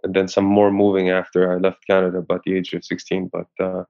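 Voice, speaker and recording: A man's voice: low voice, monotone, fast talker, a little mellow, smooth. A man from Syria, an actor, talking in an interview in a hesitant way with many restarts. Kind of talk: interview conversation. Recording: muffled lo-fi sound.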